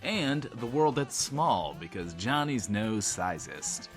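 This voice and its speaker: An actor playing a swaggering but insecure host of a post-apocalyptic bunker radio show, talking in a pompous, wordy, theatrical way. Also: male voice, medium pitch, sing-song, slow pace, soft background music. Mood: pompous, showy. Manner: pompous, wordy, theatrical, talks of himself in third person. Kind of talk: in-world radio show monologue, audio drama.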